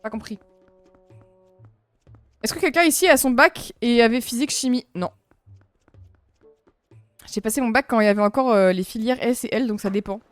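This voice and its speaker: Faint game music plays as a woman in her twenties chats loosely with viewers during a game, rambling and answering chat. Her slightly high voice moves at a normal speed with frequent pauses, and there's no room sound.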